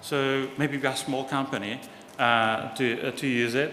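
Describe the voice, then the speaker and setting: A man's medium-pitched voice at a moderate pace, with music in the background and audible room echo. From Czech Republic. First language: Czech. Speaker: conference speaker. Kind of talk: conference presentation. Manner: halting, many fillers.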